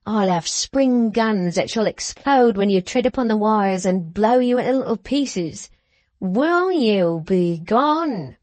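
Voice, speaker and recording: A woman voicing a malicious, gleeful dwarf husband from a storybook, taunting with drawn-out, emphatic words. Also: medium pitch, lively intonation, darkish tone, no echo. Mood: threatening, roaring.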